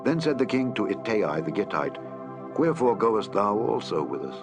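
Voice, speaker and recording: A man reading scripture aloud in a measured, solemn way. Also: fairly low pitch, big pitch swings. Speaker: Bible reader. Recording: reading over clear background music.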